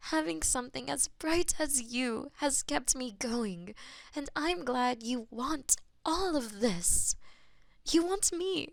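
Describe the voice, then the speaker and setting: A woman voicing a possessive, lovestruck goddess of death in a romantic audio roleplay, murmuring intimately and slipping into breathy whispers. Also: high voice, expressive, slow pace, no room sound, pitched above the performer's own voice, heavily acted. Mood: tender, adoring.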